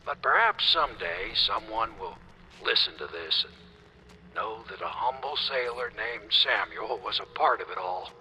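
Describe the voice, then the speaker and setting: A man's voice: on the low side, animated, normal speed, pushed and bright, a little hiss or hum, low-quality recording. An actor playing a humble old boatman who speaks earnestly and reflectively. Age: older. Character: humble old male boatman, gentle and proud.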